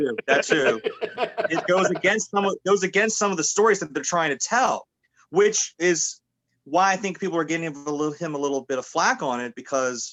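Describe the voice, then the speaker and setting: A man's unremarkable speaking voice, fairly high in pitch, at a moderate pace with lively intonation. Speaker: pro wrestling announcer and commentator. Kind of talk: interview answer.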